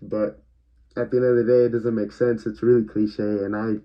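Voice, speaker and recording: A man's voice: on the low side, level tone, normal speed. A man giving a casual spoken movie review, hesitant and stuttering, with many fillers. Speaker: film reviewer. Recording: dull lo-fi recording.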